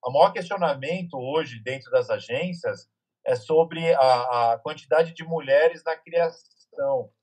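A man's voice: fairly high pitch, slow, darkish tone, breathy edge. A man speaking as a guest in a casual live panel chat over a video call, thoughtful and searching for his words.

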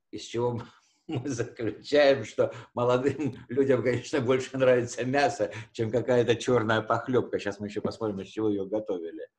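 A man teaching history conversationally, explaining with hesitations and rephrasing his key words as he goes. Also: medium pitch.

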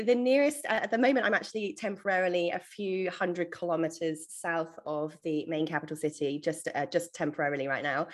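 A woman with an English accent chatting casually as a podcast guest, telling stories in a jokey, colloquial way. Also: mid-range voice. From United Kingdom. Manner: chatty, jokey, animated storytelling with colloquial turns. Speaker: podcast guest, online course educator. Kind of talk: casual interview chat, storytelling.

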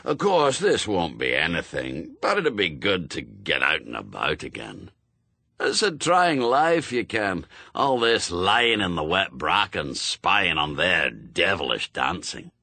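A man playing a gruff old witchfinder sergeant. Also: deep voice, wildly swooping pitch, unhurried, pushed and bright, dry recording, voice pushed down, full character voice. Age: older.

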